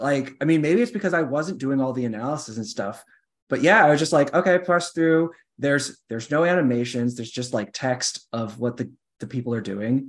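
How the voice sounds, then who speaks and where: A man with an ordinary speaking voice, fairly high pitch, lively intonation and a fairly quick pace, against a quiet background. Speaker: podcast co-host. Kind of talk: casual chat.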